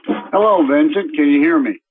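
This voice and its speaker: A man calling in to a radio talk show on speakerphone through a computer call, rambling and halting with many fillers. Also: on the high side, soft background music. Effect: on speakerphone over a computer call. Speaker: caller. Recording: tinny phone-like line.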